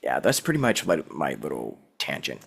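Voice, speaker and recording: A man with a very low, gravelly voice hosts a casual interview. His pitch moves around a lot as he rambles. He is from Southern California and leans on fillers. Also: wildly swooping pitch, normal speed, fairly bright tone. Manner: rambling, loose and laughing, with many fillers. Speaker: podcast host.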